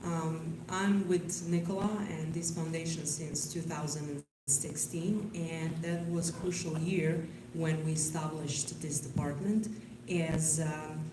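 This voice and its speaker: A woman from Serbia with a Serbian accent, presenting on a panel in a halting, hesitant way. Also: low-pitched, fairly even intonation. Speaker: arts department director, panelist. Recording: echoey, noisy conference room, distant mic.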